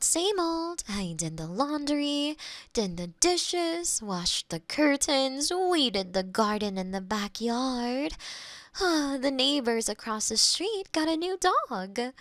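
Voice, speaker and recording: A woman's voice: sits high, dry recording, exaggerated voice. A woman playing a polite AI girlfriend eager to please, speaking in stilted, precise phrases in an intimate close-miked roleplay. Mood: sweet, affectionate. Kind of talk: scripted intimate roleplay audio. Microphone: close binaural microphone.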